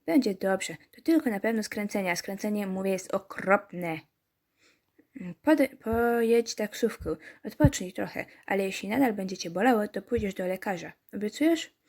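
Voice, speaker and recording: A woman reads a story game aloud in a mid-pitched voice. She keeps stopping to add wry, chatty comments for her viewers, in the easy tone of a let's-play. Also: animated, normal speed, a little mellow.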